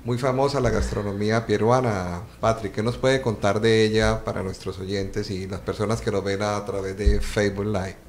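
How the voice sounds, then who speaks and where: A man's voice: fairly low pitch, steady tone, moderate pace, hardly any pauses, slight background noise. A man hosting a live interview program. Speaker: program host.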